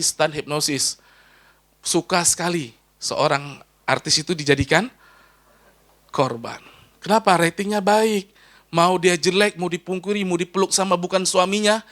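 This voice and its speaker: A man giving a lively, joking sermon-lecture to a live audience as an Islamic preacher, his voice leaping up and falling low. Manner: animated, joking with the audience, rising and dropping sharply.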